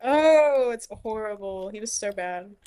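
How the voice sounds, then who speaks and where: A woman's voice: fairly high pitch, animated, unhurried, dark tone, smooth. A woman in her twenties, a guest in a casual interview, talking easily with lots of "like" and "I feel like". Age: 20s. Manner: easygoing, filler-heavy with "like" and "I feel like".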